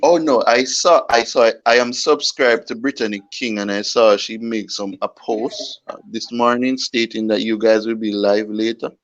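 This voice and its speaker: A man chatting casually and relaxed on a video call. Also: lowish voice, normal speed, few pauses. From Jamaica. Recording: lo-fi call audio.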